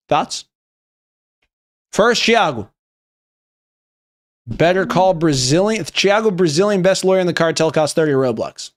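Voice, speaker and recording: A young man with a slightly raised voice reads out memes on a live stream and reacts to each one. He swears freely and laughs as he goes. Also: high voice. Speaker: streamer reviewing viewer memes. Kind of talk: casual live-stream commentary.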